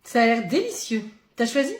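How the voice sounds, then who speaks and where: A woman's voice: a little high, big pitch swings, brisk, roomy sound. A woman playing an embarrassed, exasperated girlfriend on a dinner date, muttering dryly.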